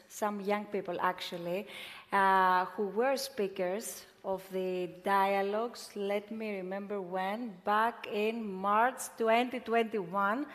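A woman moderates a panel in an informal, halting way. Her pace is slow and her pitch middling, with the reverb of a hall. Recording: echoing hall.

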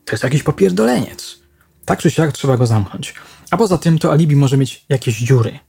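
A man's voice: mid-range voice, expressive, a little fast, vocal fry, a little hiss or hum, voice pushed up. Man voicing a hot-tempered woman investigator. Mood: angry. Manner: sharp, pushy, accusing.

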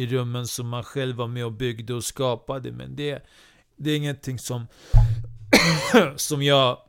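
A stiff, quietly aggrieved man keeps clearing his throat, as a man puts him on in a comedy podcast sketch. The voice has a gravelly edge over a smooth, clear core. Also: mid-range voice, lightly acted.

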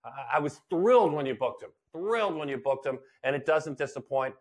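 A man's voice: a little high, animated, fairly quick, a little mellow. An older man co-hosting a baseball podcast, chatting casually and animatedly, often repeating phrases for emphasis. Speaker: podcast co-host, baseball broadcaster. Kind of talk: casual sports chat.

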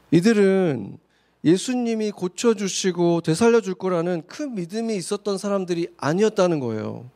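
A man's voice: high voice, darkish tone. A man preaching a Sunday sermon, reading scripture aloud and then explaining it with many rhetorical questions. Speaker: pastor.

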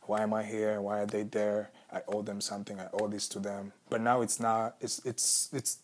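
A young man with a Kenyan accent, talking slowly and thoughtfully about his life. His voice sits fairly low, and he often stops to restart his sentences. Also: little pitch movement, slight background noise. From Congo, raised in Kenya. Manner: thoughtful, searching, with soft laughs and restarts. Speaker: musician, former refugee. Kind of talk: reflective interview answers.

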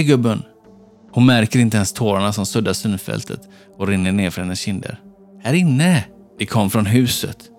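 A man narrating a suspenseful horror story in a measured, tense way. His voice sits low and has a rough, gravelly texture. Quiet music plays faintly in the background.

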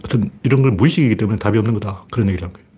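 A man talking through politics and history in a casual, blunt, emphatic monologue with a husky voice. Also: fairly low pitch, racing, slight background noise. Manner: animated, blunt and emphatic, with frequent laughs and repeated phrases. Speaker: political commentator.

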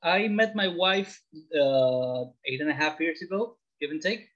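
A man's voice: on the high side, expressive, a little slow, a bit bright. A man from the Dominican Republic, around forty, talking about himself casually as an interview guest. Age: late 30s or older. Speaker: podcast guest. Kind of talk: casual interview, personal storytelling. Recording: slightly dull, lo-fi audio.

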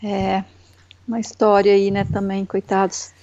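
A woman's voice: medium pitch, monotone, a little slow, warm tone. A woman, hosting a podcast interview in chatty, self-deprecating talk. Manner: chatty, self-deprecating, lots of tag questions. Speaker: podcast host. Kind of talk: casual interview chat. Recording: dull lo-fi sound.

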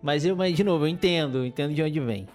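A man's voice: on the high side, fast, a little mellow, faint music behind. A man, hosting a casual solo podcast in a rambling, chuckling, playfully griping way. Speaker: podcast host.

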